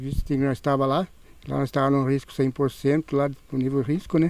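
The delivery is monotone with flat intonation at a moderate pace. The sound is dry with no echo. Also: man. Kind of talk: news interview. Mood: calm, reflective. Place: street. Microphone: handheld.

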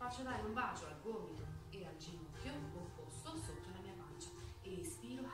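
A woman talks with audible echo in the room. Music plays clearly behind her. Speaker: pilates instructor. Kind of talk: tutorial. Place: gym.

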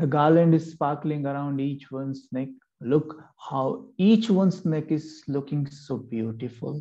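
A man's fairly high, dark, mellow and gentle voice, fairly slow with ordinary pitch variation, over a quiet background. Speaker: Murli class teacher. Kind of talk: guided meditation. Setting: video call. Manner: gentle, devotional.

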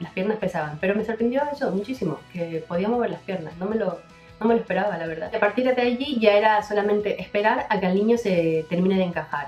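A woman at a fairly quick pace, with ordinary pitch variation and faint music in the background. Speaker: vlogger. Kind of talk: casual vlog chat. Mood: calm, reflective. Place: home room.

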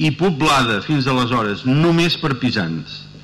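Fairly high in pitch, a man speaks at a very slow pace. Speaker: professor giving inaugural lecture. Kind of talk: lecture. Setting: formal auditorium. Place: hall. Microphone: podium.

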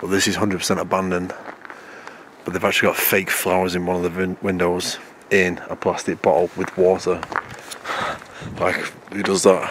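A man's very deep, low, monotone voice at a moderate pace, with long, frequent pauses, light background noise and a dry sound with no echo. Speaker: paranormal explorer vlogger. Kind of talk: casual vlog commentary. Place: open country. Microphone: phone near.

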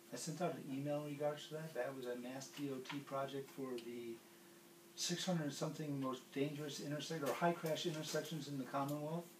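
Over noticeable background noise, a man talks at a moderate pace with a fairly high pitch and fairly even intonation. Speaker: public works official. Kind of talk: public board meeting. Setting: public meeting room. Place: meeting room. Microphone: camera far.

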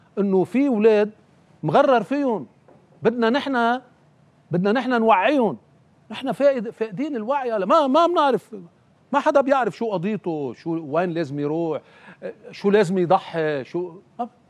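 Pausing long and often, a man talks at a fairly slow pace with a high pitch and very wide pitch swings. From Lebanon. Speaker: former member of parliament; talk show guest. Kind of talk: political interview. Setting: studio. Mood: earnest, argumentative. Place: studio.

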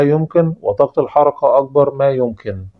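Speaking at a moderate pace in an Egyptian accent, a man uses a fairly high pitch with ordinary pitch variation. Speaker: science teacher. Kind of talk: lecture.

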